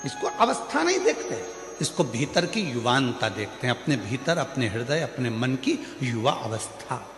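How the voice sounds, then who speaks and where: A man's voice: medium pitch, very animated, a little slow, music in the background. A man preaching a devotional sermon, telling a story with emphatic repetition. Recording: echoey hall reverb.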